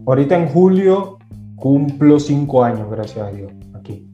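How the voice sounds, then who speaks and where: Venezuelan male guest, mellow, lively storyteller, echoey lo-fi call. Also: medium pitch, normal speed, soft background music. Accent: Venezuelan with some Mexican. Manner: lively storyteller, acts out quotes, laughs. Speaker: podcast guest. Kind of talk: casual podcast conversation. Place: at home in Mexico. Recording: dull, roomy remote call audio.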